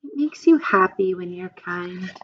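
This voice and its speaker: A woman reads aloud to young children like a teacher, taking her time over simple phrases. Her pitch moves up and down in a lively, expressive way as she speaks to her listeners. The recording is a little dull and lo-fi. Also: a little slow, slight background noise. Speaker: teacher reading a picture book aloud. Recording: dull, lo-fi sound.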